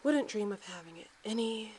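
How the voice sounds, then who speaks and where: A woman's voice: mid-range voice, expressive, moderate pace, a little mellow, slight background noise, lightly acted. A woman playing a bitter, guarded, sarcastic woman in a sci-fi audio drama, curt and profane. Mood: sarcastic, resentful.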